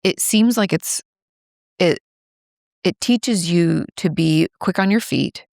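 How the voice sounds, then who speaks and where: Woman podcast host; slightly gravelly, lower register, encouraging interviewer. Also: slow, a little mellow, dry recording, clean studio sound. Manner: encouraging, asks open questions. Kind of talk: conversational interview.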